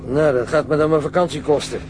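An actor playing a calm, businesslike, rather glum police investigator in a radio drama, terse, with engine noise behind. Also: male voice, fairly high pitch, quick pace, close to an everyday voice. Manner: terse, steady questioning. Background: boat engine.

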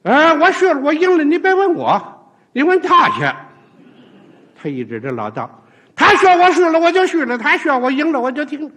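A man's voice: extremely high pitch, huge pitch swings, normal speed, fairly bright tone, pitched above the performer's own voice, heavily acted. A man voicing a boastful, bumbling male commoner who has been made a judge, talking in a brash, wheedling way.

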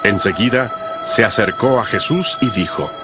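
A man's voice: lowish voice, moderate pace. A man narrating scripture from a script in a solemn style, as part of a dramatized audio Bible. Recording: music behind the voice.

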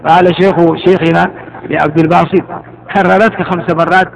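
A man with a fairly high voice teaching a grammar lesson. He poses questions to the room and goes over example phrases again and again. The murmur of a class can be heard around him. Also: level tone, fairly quick, vocal fry, crowd noise, poor audio. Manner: asks students questions and answers them himself, repeats example phrases.

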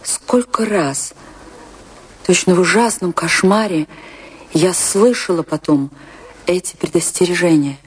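A woman's voice: on the low side, breathy edge. An actress playing a romantic, anguished woman dancer who tells her tragic love story in a theatrical, emotive radio monologue. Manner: theatrical, wistful, emotive delivery with dramatic pauses. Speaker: actress narrating a radio play. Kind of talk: dramatic first-person radio play monologue. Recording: radio play with music behind.

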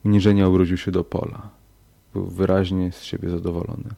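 A man narrating a horror story in a slow, measured audiobook reading. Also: sits low, little pitch movement, gravelly, warm tone.

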